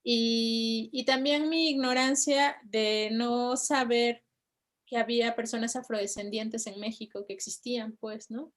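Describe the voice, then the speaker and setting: A woman's voice: on the high side, steady tone, unhurried. A woman from Oaxaca with a Mexican Spanish accent, a film director speaking thoughtfully and hesitantly.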